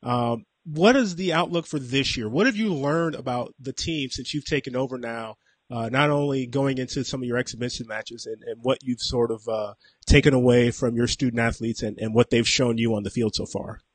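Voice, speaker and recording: Dry-voiced sports radio host. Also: male voice, medium pitch, normal speed, slightly rough, dry recording. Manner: steady questioning with fillers.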